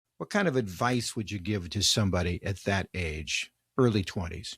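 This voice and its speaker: A man speaks with a somewhat breathy voice and lively intonation. The recording is very clean and dry, close-miked with no echo and a silent background. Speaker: interviewer, host. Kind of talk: interview questions.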